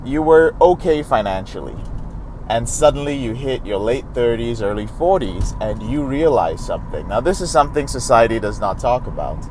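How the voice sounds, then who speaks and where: A man's voice: mid-range voice, lively intonation, normal speed, a little mellow, faint music behind, poor audio. A man working as a recovery coach, giving earnest, direct advice to camera and calling his listeners brothers.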